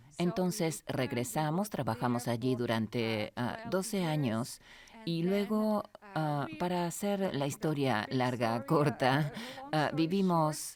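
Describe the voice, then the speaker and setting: A woman's very deep, low pitch with very wide pitch swings, at a very slow pace and very even loudness. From France, teens in Serbia. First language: French or Serbian (speaking Spanish). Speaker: theology professor. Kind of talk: interview.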